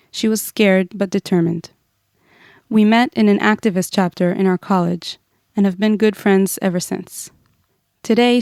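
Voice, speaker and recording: A woman's voice: mid-range voice, clean tone, dry recording, clean studio sound. A woman in her thirties from Israel hosting a podcast. She reads an earnest scripted intro, then chats casually with her guest. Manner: earnest, then relaxed and chatty. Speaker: podcast host.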